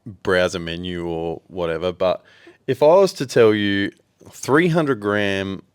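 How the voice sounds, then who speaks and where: Laid-back Australian man, low voice. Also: animated, unhurried, clean tone, no echo, clean studio sound. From Western Australia. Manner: laid-back, rambling with fillers. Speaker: podcast co-host. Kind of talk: casual chat.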